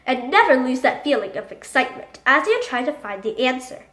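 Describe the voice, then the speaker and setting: High-pitched woman reading expressively in echoey room. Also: brisk. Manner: expressive, emphatic storytelling. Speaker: children's book reader. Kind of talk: animated picture book read-aloud in character.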